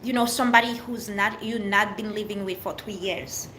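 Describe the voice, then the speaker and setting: A woman's voice: medium pitch, steady tone, normal speed, fairly bright tone. Livestream host: middle-aged Haitian woman, French accent, candid and earnest, faint background hiss. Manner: open, earnest, speaks in short fragments with restarts. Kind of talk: casual livestream chat answering viewers.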